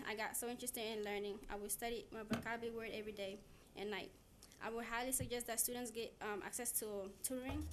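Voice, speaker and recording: A woman's voice: fairly high pitch, a little hiss or hum. A teenage girl from Somalia, giving an earnest prepared speech as a student speaker, sometimes repeating herself when stuck. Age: teens. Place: city hall chamber.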